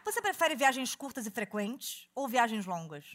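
Teasing high-voiced woman interviewer. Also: sing-song, moderate pace, fairly bright tone, slight background noise. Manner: teasing, playful. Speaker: comedy interviewer. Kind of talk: joking rapid-fire interview.

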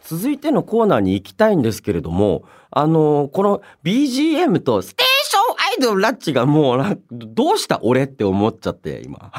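Animated man hosting a radio show. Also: a little high, a little fast, hardly any pauses. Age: 30s. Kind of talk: casual solo radio talk, reading listener mail. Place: radio studio. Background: background music.

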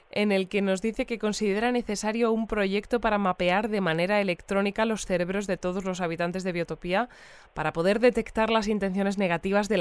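An actress playing a courteous, measured female radio interviewer who reads out listeners' messages in a conversational audio drama. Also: mid-range voice, smooth, dry recording, close to an everyday voice. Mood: composed, inquiring. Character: polite female radio interviewer in a futuristic community.

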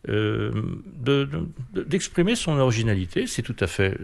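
A French-accented man, a guest in a reflective, conversational interview, gives thoughtful but hesitant answers full of fillers and restarts. His mid-range voice is creaky and sing-song, moving at a moderate pace.

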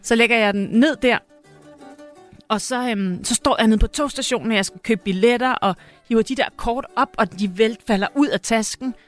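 An actress guest on a podcast, telling a long personal story casually, with lots of restarts and self-corrections. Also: female voice, fairly high pitch, soft background music. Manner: lively, rambling storyteller with many restarts.

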